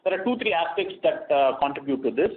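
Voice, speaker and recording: A man's voice: fairly high pitch, lively intonation. Man on a tinny conference call line. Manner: measured, with frequent "uh" fillers and restarts. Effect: heard over a conference call line. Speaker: company executive presenting quarterly results. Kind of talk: earnings conference call presentation.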